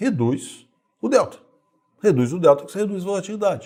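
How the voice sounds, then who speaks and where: A man speaks with vocal fry and very wide pitch swings, recorded very cleanly against a silent background. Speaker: finance course instructor. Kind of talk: recorded lecture. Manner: fast.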